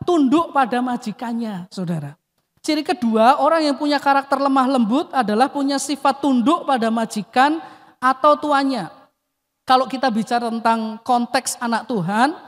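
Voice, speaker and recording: A male pastor preaching a sermon, emphatic, often addressing the congregation and dropping his voice at the end of phrases. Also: very high-pitched. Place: church hall. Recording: long reverb of a church hall.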